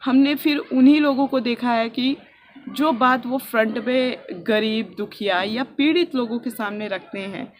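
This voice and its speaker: A young woman from India talking softly and earnestly in a personal vlog, recorded outdoors on a rooftop with a phone on a selfie stick. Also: fairly high pitch, unhurried, a little hiss or hum. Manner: earnest and heartfelt, speaking softly. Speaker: vlogger.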